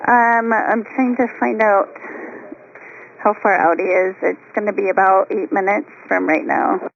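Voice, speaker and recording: A woman's voice: medium pitch, steady tone, a little slow, vocal fry. A woman working as an air traffic controller, informally briefing a colleague over a communications line. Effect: radio or landline transmission. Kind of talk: informal coordination between controllers. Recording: dull controller line, faint noise.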